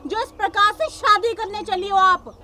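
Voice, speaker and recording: Actress as a young village daughter-in-law policewoman, defiant and preachy, bright high voice. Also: steady tone, moderate pace, slight background noise. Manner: combative, lecturing, repeats "samajh gaye".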